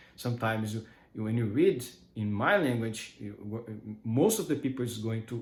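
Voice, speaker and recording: A man speaks with a Brazilian accent. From Brazil, countryside of São Paulo state. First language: Brazilian Portuguese. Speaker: YouTuber, English learner. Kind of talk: personal monologue to camera. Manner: halting, many repetitions and fillers.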